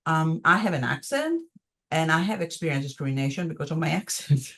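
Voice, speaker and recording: An older woman from Greece with a Greek accent, answering audience questions on a video call with many pauses and ums. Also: sits low, animated, fairly bright tone. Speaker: conference presenter answering questions.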